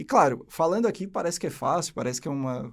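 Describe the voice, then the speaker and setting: A man's voice moves in very wide pitch swings. The recording is very clean, with a silent background. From southern Santa Catarina, Brazil (Criciúma). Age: 20s. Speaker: medical resident. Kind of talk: podcast interview. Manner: halting, with fillers.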